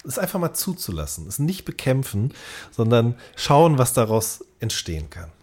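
A man's voice: mid-range voice, very animated, normal speed, a little mellow, husky. A man co-hosting a podcast in casual chat, often searching for words in a hesitant way. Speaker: podcast co-host; music journalist.

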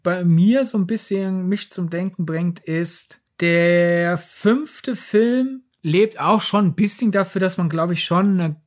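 A man's voice: sits high, takes it slowly, hardly any pauses. A man co-hosting a podcast, talking casually about films in long, winding sentences. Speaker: podcast co-host. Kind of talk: casual film discussion.

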